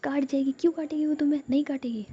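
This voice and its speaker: A woman's voice: high voice, fairly even intonation, quick pace, mellow, dull audio, voice pushed up, lightly acted. A woman voicing a caring but short-tempered young woman who answers with teasing, exasperated retorts.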